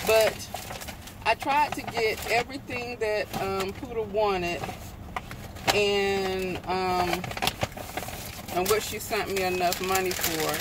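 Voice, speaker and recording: Chatty woman vlogging over car noise. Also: mid-range voice. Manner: chatty, rambling, with frequent ums and self-corrections. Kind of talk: casual shopping haul vlog. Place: store then parked car with air conditioner on. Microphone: handheld phone at arm's length. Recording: noisy phone video in a car. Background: car and street noise.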